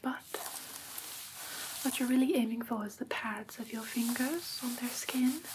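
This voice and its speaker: A woman's voice: a little high, background noise, close to an everyday voice. Whispering female vampire teacher played by a woman. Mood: gentle, patient. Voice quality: breathy whisper. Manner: soft, patient, unhurried instructing. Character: female vampire teacher, gentle, instructing a human care class. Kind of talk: whispered ASMR roleplay lesson.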